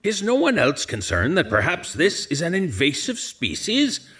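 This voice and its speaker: Actor doing a worried politician guy, highish husky voice, formal but hesitant, audio drama. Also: wildly swooping pitch, moderate pace, a bit bright, full character voice. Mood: worried, earnest. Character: anxious, earnest local politician urging caution.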